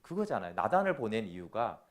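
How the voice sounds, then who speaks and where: A man's voice: lowish voice, big pitch swings, fast talker. A male pastor giving a sermon, asking the congregation questions and acting out the voices he quotes.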